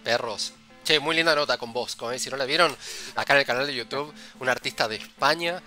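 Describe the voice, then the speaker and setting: A man's voice: mid-range voice, a little fast, bright, forceful tone, faint music behind. A man with an Argentine Rioplatense accent co-hosting a podcast in casual, joking chat, constantly tossing in "viste". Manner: loose, joking, peppers talk with "viste". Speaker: podcast co-host.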